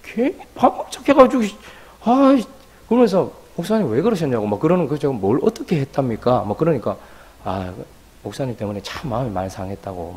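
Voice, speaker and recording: A man's voice: mid-range voice, husky. A man preaching a sermon as pastor, telling a story and acting out the voices of people in it. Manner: animated, acts out quoted voices.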